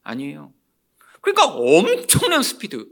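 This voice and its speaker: A male pastor preaching an expository sermon, animated and often calling out to the congregation. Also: on the high side, moderate pace, creaky.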